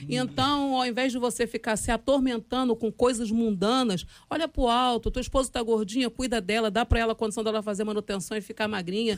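Speaking at a very fast pace with hardly any pauses, a woman uses a fairly high pitch and ordinary pitch variation. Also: very clean recording, silent background. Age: 40s. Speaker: pastor. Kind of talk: radio panel debate.

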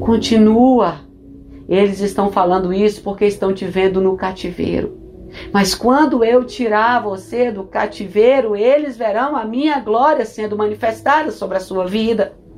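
Music plays in the background as someone speaks at a fairly slow pace with audible room echo. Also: woman, fairly high pitch for a woman, ordinary pitch variation. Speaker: bishop preacher. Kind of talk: sermon; prayer. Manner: animated.

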